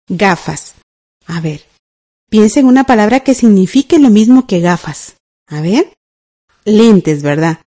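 A woman, co-teaching a radio school language lesson, explaining calmly, slowly and clearly. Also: mid-range voice.

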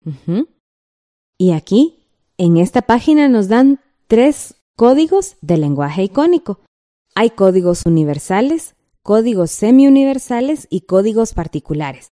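A woman's voice: medium pitch, big pitch swings, a little slow, mellow. A woman with a Guatemalan accent teaching a textbook lesson, patient and checking in often with the listener.

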